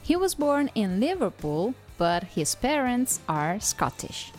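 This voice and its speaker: A woman's voice: fairly high pitch, very animated, slow, a little mellow, soft background music. A woman hosting an English-learning podcast, talking in an upbeat, teacherly way. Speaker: podcast host.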